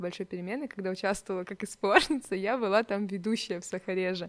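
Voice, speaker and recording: The speaker has a plain, everyday voice. The intonation stays fairly even. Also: woman. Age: 20s. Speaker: youth work specialist. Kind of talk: casual chat.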